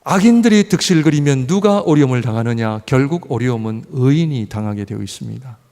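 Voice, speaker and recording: Pastor, male, lively pitch, gravelly mellow tone, sermon in a reverberant church hall. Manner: swings from loud impassioned pleading to low measured scripture reading. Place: church sanctuary.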